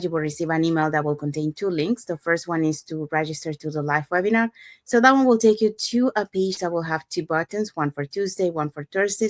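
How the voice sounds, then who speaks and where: A woman from Panama hosts the show in a fairly low voice, upbeat and steady as she walks listeners through the details. Her voice sounds dry and close, with no room echo. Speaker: podcast host. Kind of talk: casual promotional podcast talk.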